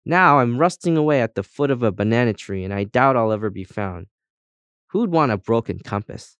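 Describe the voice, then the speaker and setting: A man's voice: mid-range voice, lively intonation, moderate pace, a bit bright, clean tone, dry recording. A man voicing a chatty, cheerful female compass in a children's audiobook, with breezy, boastful colloquial talk.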